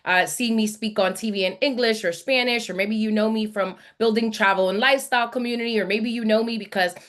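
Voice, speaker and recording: A brand coach born in the Dominican Republic and raised in New York City and South Florida presents a live online masterclass. Her voice is a little high, steady, fairly bright, and fairly quick. She speaks emphatically and motivationally, repeating phrases for weight.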